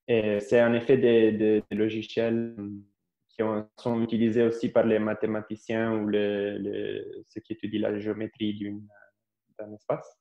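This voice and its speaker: An Italian-accented man in his thirties speaks French in a low, flat voice, searching for words and circling back on his sentences. The sound is roomy and dull, like lo-fi live-stream audio. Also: normal speed. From Italy. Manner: hesitant, many fillers and restarts. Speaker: astrophysicist guest. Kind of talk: interview answers.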